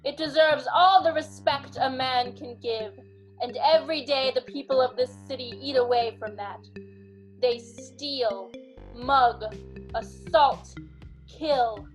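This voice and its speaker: A woman acting a fanatical, murderous judge in a radio drama, grandiose and deliberate as she preaches. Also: sits high, faint music behind. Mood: fervent. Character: fanatical, murderous vigilante judge, coldly righteous.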